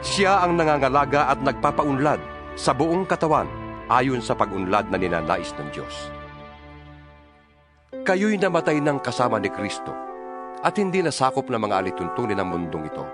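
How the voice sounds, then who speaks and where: A man with a Filipino accent voicing an earnest apostle in a dramatized scripture reading, solemn and emphatic, with measured phrasing. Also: medium pitch, big pitch swings, over music, natural voice. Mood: solemn exhortation. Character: earnest male apostle exhorting his followers by letter. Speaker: Bible reader voicing an apostle's letter.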